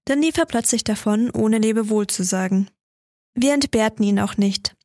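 Woman reading a christmas story, bit high voice, calm and measured, dry close sound. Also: no room sound. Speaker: reader. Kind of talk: audiobook narration of a Christmas story.

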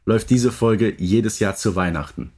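A man's voice: lowish voice, moderate pace, darkish tone. A man co-hosting a podcast in casual, unscripted conversation. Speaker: podcast co-host.

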